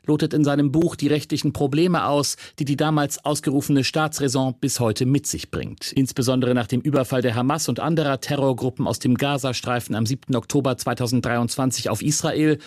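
A man reading a scripted radio report in an even, read-aloud manner. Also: mid-range voice, brisk, hardly any pauses, no room sound, studio quality. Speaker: correspondent.

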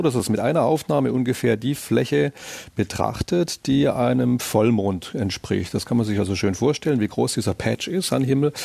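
A science journalist calmly explaining things in a radio interview, with some fillers. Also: male voice, mid-range voice, creaky, breathy edge, dry recording.

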